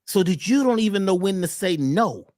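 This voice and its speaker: A man talking as a wellness coach on a talk show, emphatic and repetitive, often jumping high on key words. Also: lively intonation, moderate pace, darkish tone, dry recording, studio quality. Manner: emphatic, repeats phrases, swoops up on key words. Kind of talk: animated talk-show conversation.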